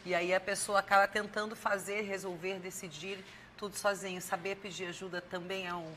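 A woman in her thirties with a southern Brazilian accent hosts a TV interview. Her voice is bright and crisp-edged at an average pitch. She talks conversationally, with a little noise behind her. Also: level tone, fairly quick. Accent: southern Brazilian, Santa Catarina. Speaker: TV host, interviewer. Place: TV studio, indoors.

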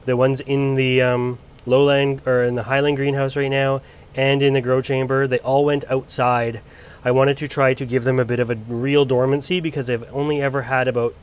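A man's voice: medium pitch, smooth. Male grower, recovering from a cold, chatty and unpolished, off-camera handheld vlog voice. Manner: chatty, loose, lots of ums and restarts. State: getting over a cold. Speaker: plant grower showing his collection. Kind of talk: casual filmed walk-through. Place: indoor grow area under bright lights.

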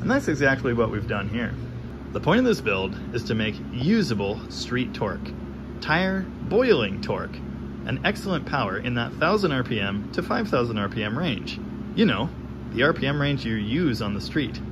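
A man's voice: medium pitch, very animated, moderate pace, noisy background. A man hosting a garage video, giving casual, wry workshop commentary while showing engine parts in his home garage. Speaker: host of a garage engine-building channel.

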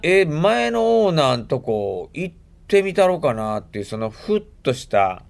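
A man's voice: fairly high pitch, big pitch swings, moderate pace. A man with a Kansai accent reacting and chatting casually as a radio panelist. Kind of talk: casual studio chat. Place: radio studio.

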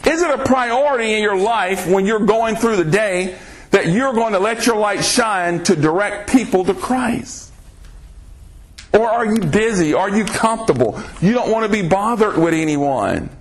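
A man's voice: expressive, slight background noise. A man preaching a sermon on a podcast, reading scripture aloud and pressing listeners with rhetorical questions. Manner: slow, emphatic delivery with sudden pitch swings.

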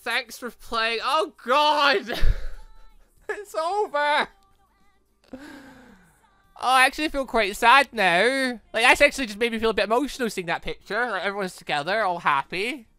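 A woman's voice: a little high, a little slow, no room sound, faint music behind. A young woman streaming a visual novel, reading the lines aloud and chatting about the story. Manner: chatty, animated, reads character lines in her own voice. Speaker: let's play streamer.

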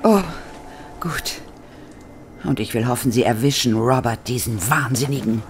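A woman playing a frightened, irritable captive in a horror radio play, halting and indignant. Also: rumbling low, noisy background. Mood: anxious. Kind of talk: German horror audio drama acting.

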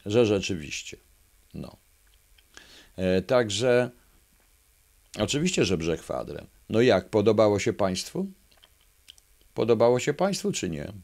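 A man's voice: fairly low pitch, big pitch swings, unhurried, vocal fry, long pauses, a little mellow. A man casually reading a children's poem aloud and commenting, with frequent fillers and questions to his viewers. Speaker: channel host reading a poem.

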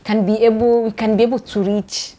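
A woman's voice: on the high side, little pitch movement, a little fast, dark tone. A young woman from Kenya hosting an interview, asking questions and pressing for plain explanations in a small office, recorded by a camera across the desk. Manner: inquisitive, asks for plain explanations. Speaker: host. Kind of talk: interviewing a guest.

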